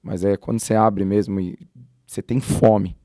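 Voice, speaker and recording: A man's voice: fairly low pitch, fairly even intonation, normal speed, warm tone, no room sound, clean studio sound. A man sharing a personal testimony on a church podcast, slangy and earnest, laughing at himself. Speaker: podcast guest. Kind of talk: casual testimony.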